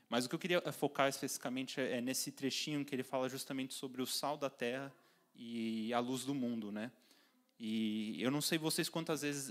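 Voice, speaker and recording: The man's pitch sits in the medium range. He talks fairly quickly with fairly even intonation. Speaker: lay preacher. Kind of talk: sermon. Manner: halting, many fillers.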